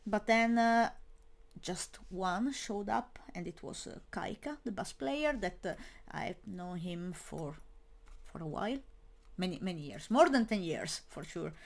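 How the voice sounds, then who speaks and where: A woman's voice: medium pitch, expressive, a little slow, vocal fry. A young woman speaking English as a second language in a casual monologue, hesitant and full of fillers and restarts. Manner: non-native English speaker. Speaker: metal media creator.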